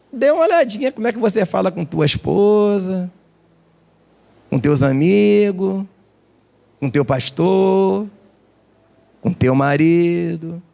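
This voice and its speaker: Animated pastor with a gravelly voice. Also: male voice, sits high. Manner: animated storytelling with acted quotes. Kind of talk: sermon. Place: church service.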